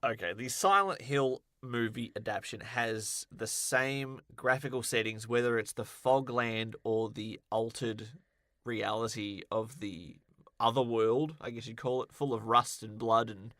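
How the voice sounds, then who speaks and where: A man's voice: mid-range voice, fairly even intonation, measured pace, fairly bright tone, no room sound. A man co-hosting a casual podcast about films and games, speaking emphatically and repeating words for effect. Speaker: podcast co-host.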